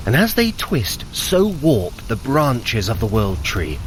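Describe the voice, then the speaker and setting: An actor playing a clever, impatient, sardonic trickster god in an audio drama, speaking formally in archaic phrases with a dry, condescending manner. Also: male voice, mid-range voice, wildly swooping pitch, slow, slight background noise, rough recording. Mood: brooding, explanatory.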